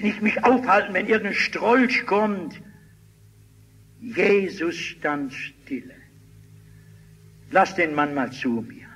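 Husky older preacher. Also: male voice, high-pitched, rough recording. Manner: animated storytelling, shouting out quoted cries. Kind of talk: sermon.

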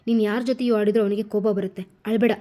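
A woman voicing a kindly uncle who gently reassures a crying child. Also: medium pitch, steady tone, rapid-fire, lightly acted. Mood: soothing.

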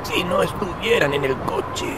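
An actor playing a cautious, stubborn small-town local man in an audio drama, firm and deliberate as he speaks. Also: sits high, heavy background noise. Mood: cautionary.

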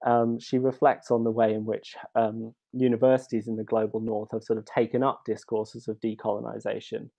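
A man with a cold speaks in a low, flat and mellow voice, sniffling now and then. He gives a hesitant academic talk over a laptop video call from a room at home, full of fillers and restarts. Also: fairly quick, creaky, few pauses. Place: home room at a wall hanging.

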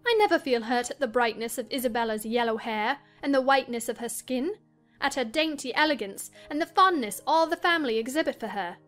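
A woman playing a high-pitched, willful young gentlewoman. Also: brisk, soft background music. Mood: proud, insistent. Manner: emphatic, self-assured. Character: willful, spoiled, excitable young gentlewoman, married. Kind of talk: dramatized audiobook reading of a classic novel.

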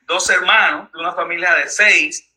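A man's voice: high voice, fairly even intonation, moderate pace, bright, forceful tone, rough recording. A man with a Dominican Spanish accent, interviewing a guest in an earnest, personal way and asking pointed questions. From Dominican Republic. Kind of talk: conversational interview.

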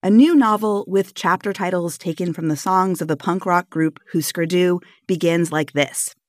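A woman's voice: fairly low pitch, normal speed, no echo, clean studio sound. A woman radio interviewer who narrates scripted links and asks questions, reacting attentively with short affirmations. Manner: attentive, with brief affirmations and laughs.

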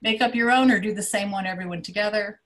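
A woman's voice: medium pitch, fast. A woman taking part in a workshop on a video call, hesitant and thinking aloud. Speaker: workshop participant. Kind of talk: casual video-call chat.

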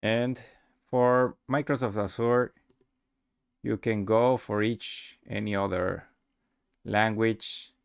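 Low, gravelly man presenting a demo. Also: fairly even intonation, slow, pauses often, no room sound, clean studio sound. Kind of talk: casual screen-recorded tutorial narration.

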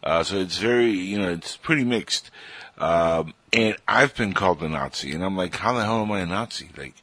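A man's voice: deep voice, expressive, moderate pace, fairly bright tone, slightly rough, no room sound. A Cuban-born man hosting a political talk show, speaking emphatically and with indignation. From Cuba. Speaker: host. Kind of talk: political talk radio chat.

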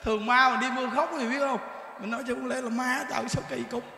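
A Buddhist monk with a Southern Vietnamese accent tells a story with lots of laughter and repetition. His voice is very high and bright. It carries through a hall with a long, echoing reverb. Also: flat delivery, quick pace, creaky. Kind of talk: storytelling dharma talk. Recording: echoey hall.

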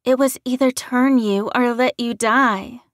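A woman's voice: a little high, steady tone, a little slow, no echo, studio quality, voice pushed up, lightly acted. A woman voicing a nervous, pleading werewolf woman in an audiobook story, with a shaky, earnest manner. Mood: pleading, defensive.

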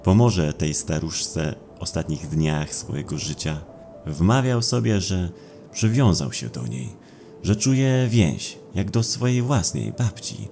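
Male audiobook narrator, extremely low voice, slow, brooding, dramatic horror storytelling, deliberate pauses. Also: big pitch swings, dark tone, faint music behind.

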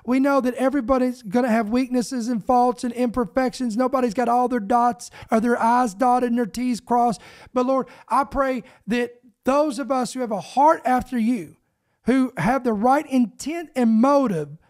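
A middle-aged man preaches and prays on his ministry podcast, fervent and emphatic. He speaks close into a boom microphone in a small home studio. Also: normal speed, darkish tone. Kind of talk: podcast preaching and spoken prayer. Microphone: boom microphone close to the mouth.

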